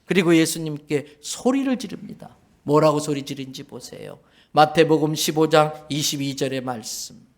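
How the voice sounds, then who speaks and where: A man preaching a sermon in church as pastor, animated, acting out quoted voices and questioning the congregation. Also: on the high side, normal speed. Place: church sanctuary.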